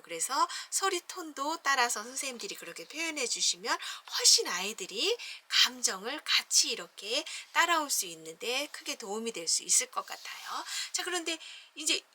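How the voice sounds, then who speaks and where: A woman teacher walking through a picture book and showing other teachers how to read it aloud with feeling. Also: on the high side. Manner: expressive, acts out the story.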